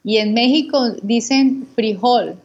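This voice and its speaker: A Colombian woman, a guest teacher, calmly contrasting words and giving examples for Spanish learners. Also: a little high, takes it slowly, highs cut off. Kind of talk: slow didactic conversation for learners.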